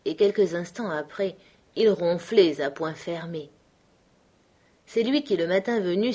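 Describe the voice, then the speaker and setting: Calm woman reading an audiobook. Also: lowish voice. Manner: calm, measured storytelling. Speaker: audiobook reader. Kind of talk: audiobook narration of a classic novel for schoolchildren.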